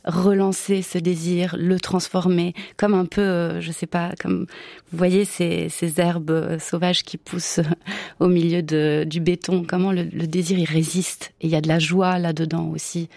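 A woman from Italy, a native Italian speaker, answering radio interview questions in a thoughtful way, pausing and searching for words. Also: fairly low pitch, level tone, creaky, darkish tone, dry recording. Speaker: theatre maker, guest.

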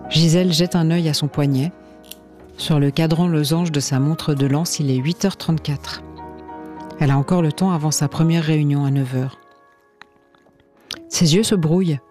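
A woman radio reporter narrating a scripted portrait in a calm, measured storytelling manner. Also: deep voice, faint music behind.

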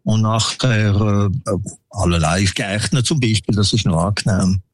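A man in his seventies with a Swiss German accent, an emigrant telling his life story in a relaxed radio interview and rambling through long lists of places. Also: fairly low pitch, unhurried, no echo. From Switzerland. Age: 70s.

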